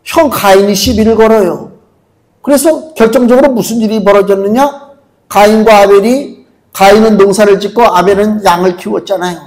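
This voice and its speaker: A male pastor preaching a conversational sermon in a church, asking the congregation rhetorical questions and reading scripture slowly. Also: sits high, a little mellow, rough recording. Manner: acts out quoted voices, reads scripture slowly. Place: church sanctuary.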